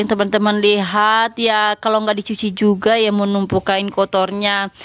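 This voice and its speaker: A woman with a fairly high voice at a moderate pace, on a very clean recording with a silent background. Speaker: housewife vlogger. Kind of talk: voice-over narration of daily chores vlog. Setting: dubbed voice-over at home. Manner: casual, stumbling over words.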